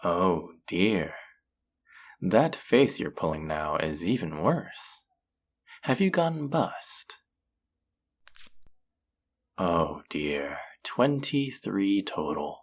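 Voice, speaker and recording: A woman's voice: rumbling low, very animated, very slow, pauses often, full character voice. A woman playing a flirty, possessive demon casino dealer in an intimate roleplay audio drama, teasing and taunting the listener. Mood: playfully taunting.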